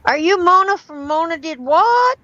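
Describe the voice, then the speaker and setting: A woman's voice: extremely high pitch, expressive, normal speed, sharp tone, no echo, highs cut off. A woman with a Texas twang hosting a casual live-stream chat and greeting viewers by name. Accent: Texan. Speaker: host.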